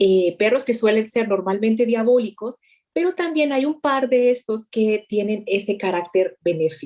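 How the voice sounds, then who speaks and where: A woman speaks at a moderate pace in a dark, mellow tone with fairly high pitch. Her loudness is very even. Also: lively intonation. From Honduras. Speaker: academic researcher. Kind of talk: conference talk.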